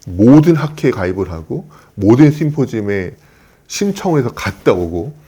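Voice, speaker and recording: A man's voice: medium pitch, sing-song, moderate pace, mellow, slightly rough. A man in his fifties, a plastic surgeon, telling stories in an earnest, reflective way. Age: 50s. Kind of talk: casual conversational talk.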